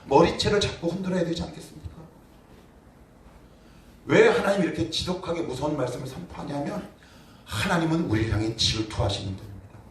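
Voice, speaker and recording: Male pastor, higher voice, animated sermon, picked up from a distance in a roomy church. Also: a little fast, a little hiss or hum. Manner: emphatic, rhetorical questions to congregation. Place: church sanctuary.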